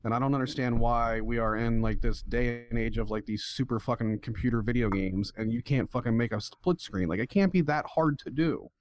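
A man's voice: mid-range voice, a little fast, hardly any pauses, no echo. A middle-aged man co-hosting a podcast in casual chat, talking loosely with lots of "like" and casual swearing. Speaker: podcast co-host.

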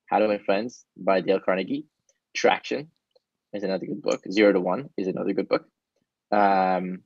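A man whose native tongue is Hebrew answers interview questions in a casual, earnest way, often pausing with an um. His voice sits on the low side. The recording is dry and a little dull. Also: fairly even intonation, gravelly, no echo. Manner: casual, earnest, with frequent ums. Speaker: startup founder.

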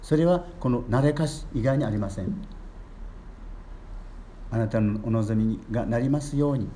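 An older man, a Catholic priest giving a gentle storytelling sermon and lifting his voice on key words. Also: medium pitch, normal speed, slight background noise.

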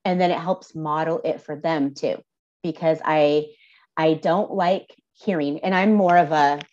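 A woman's voice: sits low, fairly even intonation, unhurried, darkish tone, dull audio. A woman, a social services supervisor, answering interview questions in a candid, thoughtful, conversational way. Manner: thoughtful, candid, lightly laughing between points.

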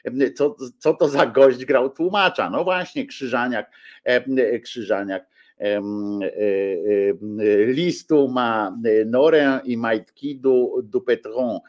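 Male radio host, casual chat, hesitant, mid pitch. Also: a little mellow, highs cut off. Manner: hesitant, full of drawn-out fillers. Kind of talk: casual radio talk, reading listener messages.

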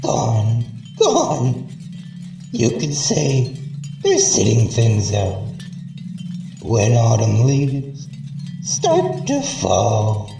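An actor voicing a deranged, childlike and menacing carnival clown, theatrical and singsong, repeating words and breaking into shrill tones. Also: wildly swooping pitch, drawn-out words, creaky, long pauses, heavily acted. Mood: eerie singsong. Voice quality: shrill giggles, swooping voice. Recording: echoey, distant, loud music behind.

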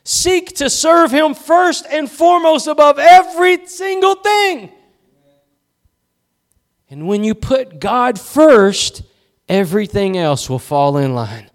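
A man's voice: extremely high pitch, animated, slow, vocal fry. A male pastor preaching a sermon in a church, with emphatic repeated cadences and rhetorical questions.

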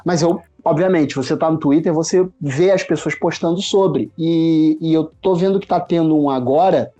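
A man's voice: a little high, moderate pace, warm tone. Carioca man chatting in Rio street slang. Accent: Carioca (Rio de Janeiro). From Rio de Janeiro, Brazil. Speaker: podcast guest. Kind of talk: casual podcast chat. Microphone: mobile phone. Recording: muffled phone recording with music behind. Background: music.

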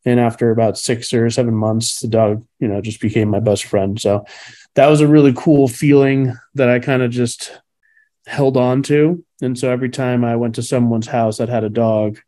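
A man's voice: mid-range voice, fairly even intonation, normal speed, warm tone. A man born in Cuba, a dog trainer chatting as an interview guest, rambling through his story with frequent fillers and laughs. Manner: rambling, laughs between stories. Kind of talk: casual interview answers.

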